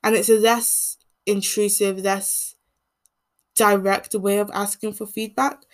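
A young woman from England hosting a podcast, speaking in an earnest, measured monologue, with a voice that turns croaky as she keeps talking. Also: mid-range voice, level tone. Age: teens. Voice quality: croaky voice when speaking long. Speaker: podcast host. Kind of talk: reflective solo monologue.

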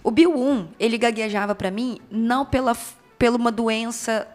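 A woman in a casual film review chat, talking in an animated way, correcting herself and laughing often. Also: on the high side, normal speed, faint music behind.

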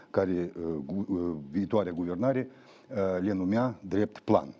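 A man's voice: on the low side, warm tone, breathy edge, dull audio. A man arguing as a guest on a studio political debate, combative, numbering his points with frequent fillers. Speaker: talk show guest, former deputy.

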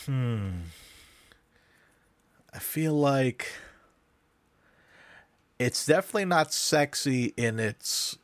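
A young man co-hosting a podcast, rambling and animated in casual chat, often slipping into impressions. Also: mid-range voice, very slow, long pauses, dry recording. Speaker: podcast co-host.

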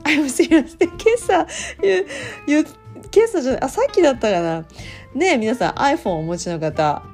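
Lively, chatty middle-aged woman teaching. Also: a little high. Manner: chatty and animated, laughs often, drills phrases over and over. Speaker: English teacher and podcast host. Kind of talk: casual spoken English lesson.

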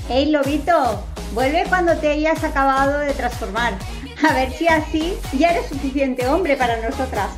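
A woman's voice: high voice, unhurried. An actress playing a teasing, scornful young woman at a costume party in an audio drama. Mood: mocking, amused. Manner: taunting, scornful. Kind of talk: audio fiction dialogue. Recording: music clearly behind the voice.

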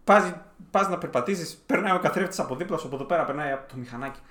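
A man's voice: on the high side, fairly bright tone. A man co-hosting a podcast, chiming in casually with complaints and sign-off plugs. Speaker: podcast co-host. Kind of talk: casual banter. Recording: echoey room.

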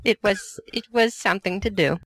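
A woman playing a hoarse, deadpan old lady comic. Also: mid-range voice, normal speed, no room sound, lightly acted. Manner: deadpan, vague, non-sequitur answers. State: hoarse, losing her voice. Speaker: podcast guest. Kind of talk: improvised comedy podcast.

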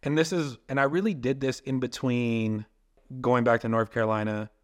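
A man's voice: mid-range voice, fairly even intonation, moderate pace. A young man, a filmmaker and photographer, talking casually as a podcast guest and telling long rambling stories. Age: young adult. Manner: casual, rambling storytelling with many "like" fillers.

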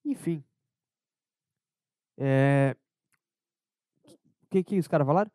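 A hungover man with a southern Brazilian accent hosts a casual solo podcast, sounding dispirited and bunged up with a cold. His voice sits a bit high for a man and is slightly mellow, in a very dry, close sound. He rambles irreverently in a low-energy way. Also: slow, no room sound. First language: Portuguese. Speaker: podcast host and amateur comedian.

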